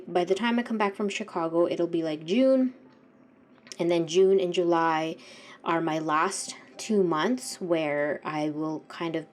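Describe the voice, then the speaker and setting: A young woman vlogging casually while she paints, congested and sniffly, rambling and often correcting herself. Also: on the low side. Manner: rambling, self-correcting, soft-spoken. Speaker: art vlogger. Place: home art studio.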